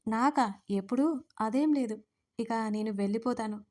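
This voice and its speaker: A woman's voice: a little high, measured pace, darkish tone, close to an everyday voice. A woman voicing a flustered timid young woman. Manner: flustered, denying, innocent.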